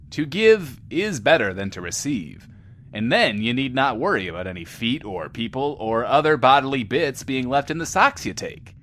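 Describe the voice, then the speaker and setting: An actor playing a wry, showy radio advice host in a post-apocalyptic audio drama, with a mock-grand manner. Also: male voice, mid-range voice, a bit bright, a little hiss or hum. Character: sardonic male advice-show radio host in a wasteland.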